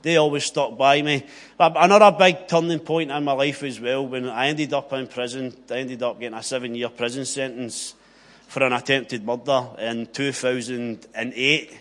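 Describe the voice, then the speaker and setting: A man's voice: mid-range voice, fairly even intonation, normal speed, fairly bright tone. A middle-aged man with a broad west of Scotland accent gives a personal Christian testimony, earnest and plain-spoken, repeating phrases for emphasis. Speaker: speaker giving personal testimony.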